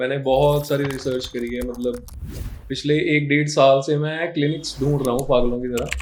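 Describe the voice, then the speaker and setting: The speaker has a slight Punjabi accent. Noticeable background noise is present. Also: man. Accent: Punjabi touch in Hindi. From Punjab, India (Patiala). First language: Punjabi (speaking Hindi). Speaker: patient, comedy video creator. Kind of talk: testimonial interview. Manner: casual, chatty.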